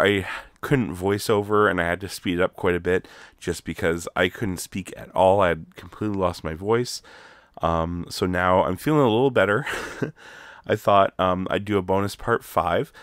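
Crafting host, man from Canada, deep voice, recovering from illness, relaxed rambling delivery, dry close sound. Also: moderate pace, clear, resonant tone, no room sound. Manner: relaxed, chatty, many ums. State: recovering from illness, voice still rough. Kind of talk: casual crafting tutorial.

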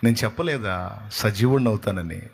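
A male preacher voicing a tender risen Jesus, speaking low and hushed as he comforts a grieving woman. The voice drops well below the preacher's usual pitch and softens. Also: moderate pace, gravelly, husky.

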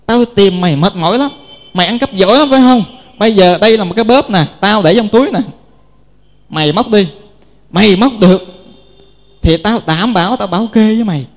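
A man's voice: sits high, fairly quick. A man with a Southern Vietnamese accent voicing a stern, threatening male police officer in a sermon story, in a reverberant hall. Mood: scolding. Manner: barking orders, rough and contemptuous.

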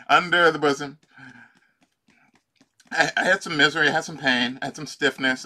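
An older man coaching someone through a tapping routine on a video call. His voice is bright and forward, and he jokes and laughs often, stopping to search for words with lots of fillers. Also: medium pitch. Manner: playful, laughing, halting with many fillers. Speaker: life coach. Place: home room.

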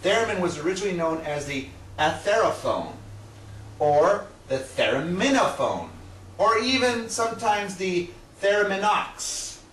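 A man's voice: on the high side, fairly bright tone. Roomy-sounding man, playful presenter. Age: middle-aged. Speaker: science presenter. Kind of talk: presentation to camera, demonstrating. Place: small indoor room with projector screen. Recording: roomy, distant camera mic, noisy.

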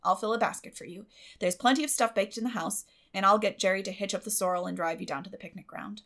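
A woman voicing a stern, plain-spoken older spinster with a brisk, firm manner in a storybook reading. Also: medium pitch, a bit bright, natural voice. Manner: brisk, firm, matter-of-fact.

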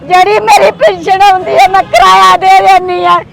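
A woman's voice: very high-pitched, level tone, fairly quick, vocal fry. An elderly widow who weeps and prays aloud, pouring out blessings and her troubles to the man helping her. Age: older. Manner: weeping, praying aloud for blessings. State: crying. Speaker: aid recipient. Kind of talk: tearful pleading and prayer. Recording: crowd and traffic noise outdoors.

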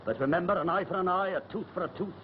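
A man's voice: high-pitched, racing, lightly acted. An actor playing a proud, jealous young gypsy man with brooding intensity, in old melodrama style. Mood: vengeful. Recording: muffled old film with faint hiss.

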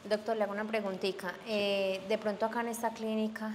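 A woman's voice: medium pitch, flat delivery, fairly quick, in a large hall, a little hiss or hum. A young woman in a staged drama, speaking politely and apologetically to a doctor in a clinic office. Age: young adult. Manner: polite, apologetic, soft-spoken. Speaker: job applicant helping a stranger.

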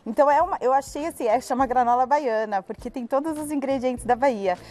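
A woman's voice: high voice, fast, darkish tone. A woman in her thirties enthusiastically explaining cocoa products on a live TV cooking segment, recorded on a lapel mic in a studio. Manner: enthusiastic explaining, addresses viewers as "gente". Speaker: cooking guest presenting cocoa recipes. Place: TV studio set with kitchen table.

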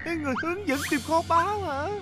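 A woman's voice: very high voice, quick pace. A woman voicing a greedy, sly boy bus in a children's cartoon. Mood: eager. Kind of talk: animated children's cartoon dubbing.

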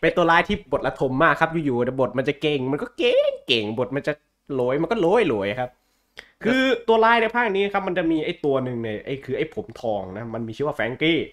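A man chatting casually as a podcast host, blunt, slangy and jokey. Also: mid-range voice. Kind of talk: casual chat about comic books.

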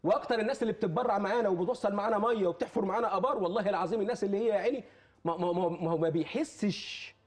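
Man, Egyptian accent, talk-show guest. Fervent preacher who quotes scripture, high voice, rapid delivery. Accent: Egyptian Arabic. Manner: impassioned, quotes scripture, repeats oaths. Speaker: charity foundation guest.

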